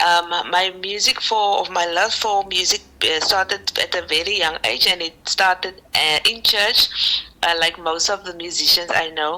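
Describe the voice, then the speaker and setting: A woman's medium-pitched voice at a moderate pace, fairly even in intonation, with noticeable background noise. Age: 40s. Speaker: singer-songwriter. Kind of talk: radio interview. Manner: halting, with fillers.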